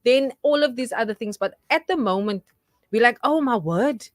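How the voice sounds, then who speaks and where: A young woman co-hosts a radio show from a studio. She talks earnestly and with energy, and her voice sits a little high. The sound is close and dry. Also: moderate pace, no echo. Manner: earnest, animated, jokes and laughs easily. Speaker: radio co-host. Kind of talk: casual studio radio chat.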